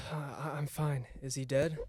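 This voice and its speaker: A man's voice: fairly high pitch, level tone, slow pace, darkish tone, husky. A man playing an urgent, protective boyfriend on the run in an amateur radio play. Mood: pained, tender.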